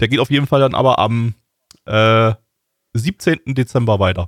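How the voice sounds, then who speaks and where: A man speaks at medium pitch and a fairly slow pace, with ordinary pitch variation. The recording is very clean and dry, close with no echo, over a silent background. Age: 30s. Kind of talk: casual chat.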